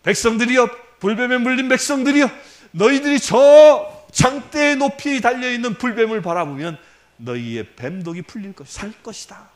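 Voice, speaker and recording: A man's voice: very high-pitched, normal speed, voice pushed up. A man voicing God as a stern male deity who gives blunt orders, in a sermon. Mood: commanding. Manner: brusque, commanding.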